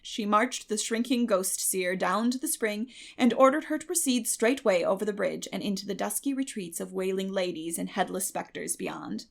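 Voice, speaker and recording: A woman narrating a children's classic audiobook in a dramatic, expressive and measured storytelling manner. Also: medium pitch, gravelly.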